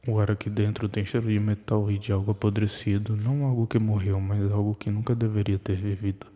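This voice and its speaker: A man reading a scripted horror story in the second person, measured and ominous, in short broken phrases. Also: lowish voice, little pitch movement, warm tone. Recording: long hall reverb.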